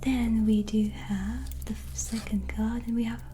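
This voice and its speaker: A woman playing a gentle, reassuring white witch tarot reader in a breathy, soft-spoken ASMR whisper. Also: a little high, level tone, slight background noise, close to an everyday voice. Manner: slow, pausing, soothing, reflective. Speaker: ASMR roleplayer giving a tarot reading. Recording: soft music behind close voice. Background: soft relaxing music.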